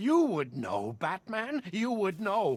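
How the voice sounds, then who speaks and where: Using a put-on character voice, a man talks slowly-ish, at a fairly slow pace, with a high pitch and very wide pitch swings. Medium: video game.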